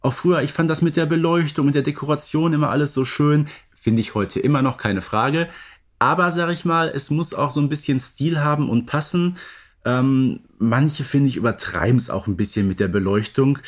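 A man's voice: medium pitch, normal speed. A man from Germany talking informally and genially as a podcast co-host, explaining in a conversational way. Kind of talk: casual conversational podcast chat.

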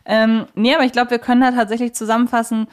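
A woman's voice: fairly high pitch, little pitch movement, fast. A woman co-hosting a talk podcast, reflecting aloud in a conversational, analytical way and explaining her view point by point. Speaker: podcast co-host.

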